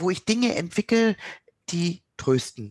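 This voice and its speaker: In a northern German accent, a woman talks at a fairly slow pace and a fairly low pitch, the sound dry and close with no echo. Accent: northern German dialect still audible. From Hamburg, northern Germany. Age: 50s. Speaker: grief counselor. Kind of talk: personal testimony in interview.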